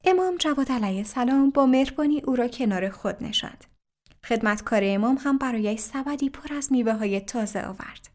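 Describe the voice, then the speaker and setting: A woman narrating a religious story in an even, careful reading voice. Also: on the high side.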